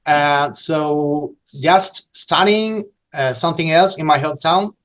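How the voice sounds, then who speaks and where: This middle-aged man speaks English with a Spanish accent, a bit high for a man. He talks enthusiastically and off the cuff, stumbling over restarts and repeated words as he goes. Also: slow, fairly bright tone. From Spain. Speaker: podcast guest, localization trainer. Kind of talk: unscripted podcast conversation.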